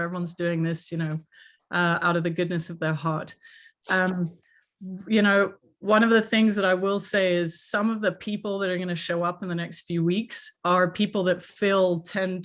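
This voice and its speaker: A woman's voice: lowish voice, fairly bright tone. A middle-aged woman with a mixed international English accent that is hard to place, hosting an online workshop as a coach in an earnest, chatty way with many fillers, speaking over a video call.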